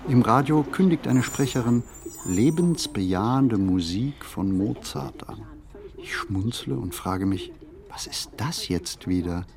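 An actor playing a reflective, solitary man who narrates his mundane daily routine in a deadpan radio play monologue. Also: medium pitch, unhurried, gravelly, a crowd in the background. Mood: wry, musing.

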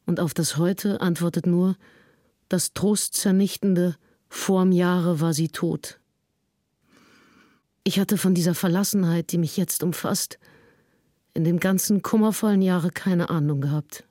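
A woman playing a grieving nineteenth-century diarist in a solemn dramatic reading, with drawn-out phrasing. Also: on the low side, fairly even intonation, mellow, no echo, studio quality, lightly acted. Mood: grieving, desolate. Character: grieving 19th-century woman writing in her diary. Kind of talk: dramatic reading of a historical diary.

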